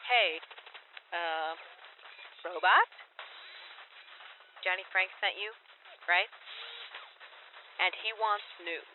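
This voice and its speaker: A woman's voice: fairly low pitch, very slow, long pauses. An actress playing a tough, sarcastic wasteland townswoman in an audio drama, blunt and wry. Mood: wry, addressing robot. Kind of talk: full-cast audio drama acting. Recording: tinny phone-like broadcast with faint noise.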